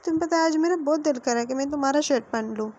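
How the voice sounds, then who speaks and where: A woman's voice: high voice, racing, darkish tone, voice pushed up, lightly acted. A woman voicing a pouty, childish young man who sulks and demands in a love story. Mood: sulky. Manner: sulky, demanding, childish pleading.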